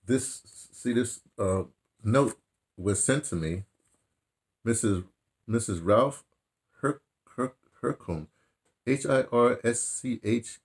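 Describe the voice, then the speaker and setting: An American man in his seventies with a husky voice, reminiscing casually to camera in a halting, digressive way, correcting himself as he goes. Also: fairly low pitch, darkish tone. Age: 70s. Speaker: theatre director and radio dramatist recounting his career. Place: small furnished room indoors.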